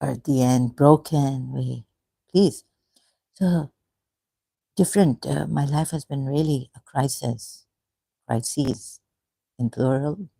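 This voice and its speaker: A speaker from Pakistan, an online religion commentator rambling through a solo livestream in a halting, emotional way with many broken-off phrases. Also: medium pitch, creaky, dark tone, breathy edge, no echo. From Pakistan, grew up in Karachi.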